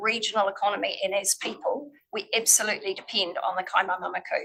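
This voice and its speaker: At a very fast pace, a woman talks with a New Zealand accent. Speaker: trust chief executive presenting to council. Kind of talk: formal presentation. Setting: council meeting room, live streamed. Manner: hesitant, many ums.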